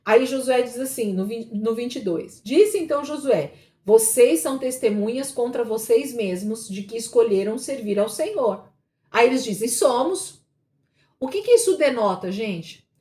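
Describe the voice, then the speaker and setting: A woman's voice: fairly high pitch, animated, normal speed, dark tone. Woman teaching a Bible class. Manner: explanatory, checks in with frequent tag questions.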